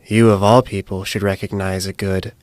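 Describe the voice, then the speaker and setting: An actor playing a calculating young male schemer in an audio drama, controlled and deadpan. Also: low-pitched, normal speed, dry recording, natural voice. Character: cool, calculating young man, a bluffing schemer.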